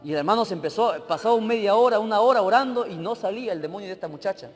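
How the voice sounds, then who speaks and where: A male preacher telling a story in a sermon. He swings dramatically between loud emphasis and hushed narration. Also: high-pitched, lively intonation, fast. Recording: church hall with long reverb, faint music.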